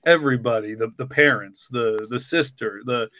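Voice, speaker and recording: A man's voice: mid-range voice, moderate pace, bright, forceful tone. A man in a casual podcast discussion, explaining things in a rambling way and often leaning on "you know.". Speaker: story writer and podcast co-creator.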